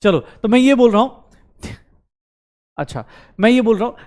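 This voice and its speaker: A male chemistry teacher, giving an online class lecture in a brisk, coaxing way, asking questions and answering them himself. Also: extremely high pitch, lively intonation, darkish tone. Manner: mixes Hindi with English terms, calls students beta.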